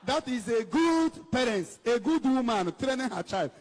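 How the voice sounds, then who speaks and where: High-voiced Nigerian preacher in an echoing hall. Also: male voice, lively intonation, normal speed. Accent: Nigerian English. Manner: scolding, emphatic, repeats phrases. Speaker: evangelist. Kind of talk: preaching to a congregation, switching between English and Igbo. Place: church hall with an altar. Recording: long hall reverb.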